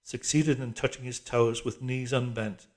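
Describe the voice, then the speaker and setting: A man reading literary fiction as an audiobook narrator, measured and with dramatic emphasis. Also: medium pitch, steady tone. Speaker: audiobook reader.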